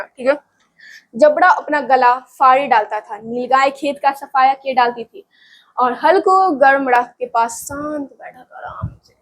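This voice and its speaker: A woman teacher reading a story aloud for students, often breaking in to explain it in plain everyday speech and check that they follow. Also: sits high.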